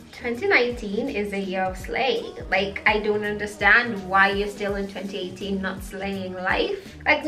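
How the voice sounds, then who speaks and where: A woman's voice: mid-range voice, bright, forceful tone. A young woman chatting through a hair tutorial vlog, playful and sassy with giggly asides. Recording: echoey room with faint music.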